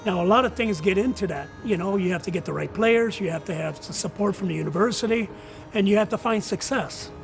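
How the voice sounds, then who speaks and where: An older man with a high-pitched, gravelly voice answers interview questions as a coach. He is a non-native English speaker and talks earnestly, often repeating words as he goes, with faint music behind him. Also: a little fast. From outside the United States. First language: not English. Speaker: college soccer coach.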